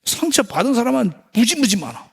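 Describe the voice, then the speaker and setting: A middle-aged man, a pastor, preaching an animated sermon in a church and acting out the voices of the people he quotes. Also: very high voice, fairly quick, vocal fry, husky. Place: church sanctuary.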